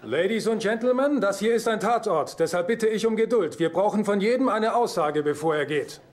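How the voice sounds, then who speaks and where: High-pitched announcing police officer. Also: male voice, lively intonation, brisk, a little hiss or hum. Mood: official, firm. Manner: formal, announcing. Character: official police officer addressing wedding guests. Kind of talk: German-dubbed sitcom acting.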